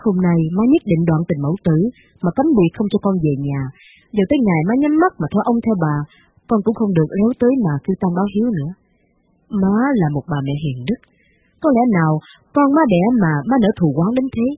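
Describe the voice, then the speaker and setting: Woman putting on a resentful grown son, formal and dutiful, husky, dry tinny audio. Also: mid-range voice, very animated, fast, no room sound, voice pushed down. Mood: aggrieved. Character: grown son writing a bitter, dutiful letter to his mother.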